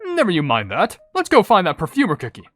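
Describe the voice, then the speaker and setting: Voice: medium pitch, huge pitch swings, fast, soft background music. A game commentator voicing a zealous, chivalrous knight cookie in a pompous, declamatory way. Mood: noble, eager. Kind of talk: reading game cutscene dialogue aloud.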